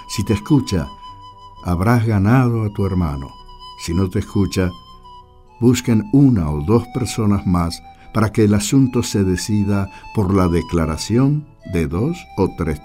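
A man reading scripture as a Gospel reader, solemn, measured and deliberate. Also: on the low side, warm tone.

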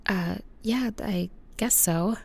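A hesitant mother behind on rent speaks in a halting, unsure way. Her voice is plain and close with a dry sound. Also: medium pitch, vocal fry, a little mellow, dry recording. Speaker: caller.

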